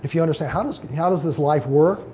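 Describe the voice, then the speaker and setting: A man's voice: on the high side, fast, mellow, slight background noise. A man preaching, teaching scripture in a loose, conversational way, often breaking off to read a quoted passage aloud. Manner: conversational, many fillers and restarts, reads quotations aloud. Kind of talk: informal Bible teaching.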